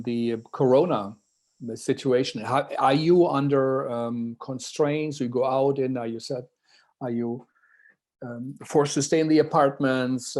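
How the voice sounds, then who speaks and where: A man's voice: medium pitch, darkish tone. A man hosting a livestreamed interview, asking questions hesitantly and with many fillers and restarts. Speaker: host. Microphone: video call.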